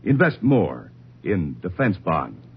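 A man's voice: low voice, huge pitch swings, takes it slowly, breathy edge. A man reading a persuasive scripted advertisement in 1950s radio announcer style. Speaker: public-service advertisement announcer. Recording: dull 1950s radio recording.

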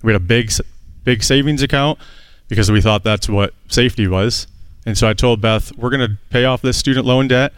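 A man's voice: medium pitch, a little fast, smooth, no room sound. A man in his thirties, a guest on a radio show, telling his debt-payoff story in an earnest, plain-spoken way. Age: 30s.

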